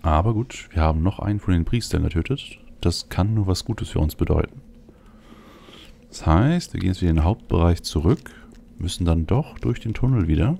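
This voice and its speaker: Deep, creaky-voiced male let's player. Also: animated, fairly quick, mellow, a little hiss or hum. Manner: thinks aloud, speaks as "we". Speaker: let's play host. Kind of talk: casual video game commentary. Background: faint game ambience.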